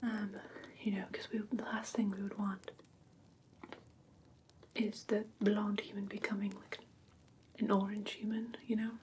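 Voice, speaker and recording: A woman plays a soothing female vampire who teaches human pet care in an ASMR roleplay. She whispers breathily and patiently, with gentle check-ins, over clear background hiss. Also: mid-range voice, level tone, unhurried, long pauses, natural voice. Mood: gentle, instructive.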